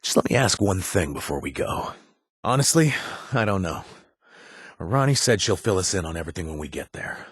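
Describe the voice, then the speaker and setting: An actor playing a gruff, washed-up ex-raider who now runs a bar, sardonic and joking one moment, earnest and grateful the next, in video game voice lines. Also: male voice, low voice, big pitch swings, normal speed, dry recording, studio quality, exaggerated voice. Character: gruff washed-up male ex-raider bartender, wry. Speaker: game companion character.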